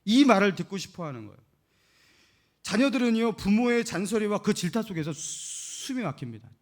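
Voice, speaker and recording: Animated high-voiced male pastor preaching. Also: a little fast. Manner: emphatic preaching with calls to repeat after him; acts out scolding parents in a raised voice. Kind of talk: sermon. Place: church sanctuary.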